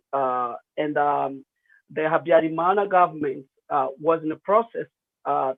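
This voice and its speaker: A man in his thirties with a Rwandan accent, giving personal testimony as an interview guest, hesitant and pausing often, over a remote call. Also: fairly high pitch, creaky, no room sound. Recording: muffled, radio-like narrow phone-quality line.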